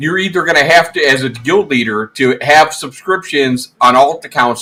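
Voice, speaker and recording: Over noticeable background noise, a man speaks with a Chicago accent. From US Midwest, Chicago. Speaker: gaming content creator. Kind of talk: casual chat.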